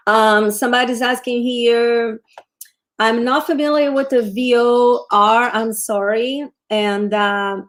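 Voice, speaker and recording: A woman's voice: a little high, steady tone, slow pace. A woman from Brazil with a Brazilian accent, hosting a casual livestream about stocks, often restarting sentences and answering viewer questions. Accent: Brazilian Portuguese. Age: 40s. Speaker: show host, trader.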